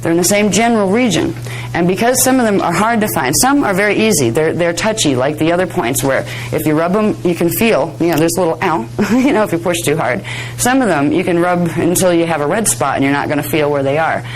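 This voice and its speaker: A woman teaching a live workshop, slightly hoarse, explaining at length in a chatty way, with fillers and soft laughs. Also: lowish voice, brisk, a little hiss or hum, poor audio. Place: workshop room. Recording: 1999 workshop video, faint music.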